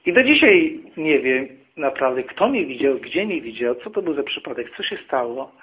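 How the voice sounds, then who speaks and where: A preacher giving a sermon, telling personal stories and acting out the people in them. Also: male voice, mid-range voice, very animated, normal speed, husky, highs cut off. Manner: storytelling, acting out quoted people.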